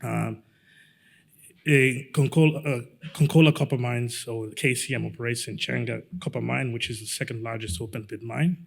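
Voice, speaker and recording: A middle-aged man from Zambia gives a lawyer's conference talk, his voice gravelly and held to a narrow, even pitch. He speaks in a measured, halting way, often pausing on fillers. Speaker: lawyer giving a conference presentation. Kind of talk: conference presentation.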